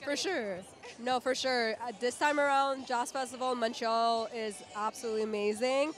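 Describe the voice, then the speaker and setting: A bright, upbeat woman runs quick street interviews at an outdoor city festival. Her voice sits a little high, and she keeps the talk moving with quick friendly affirmations. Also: fairly even intonation. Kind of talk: festival vox pop interviews.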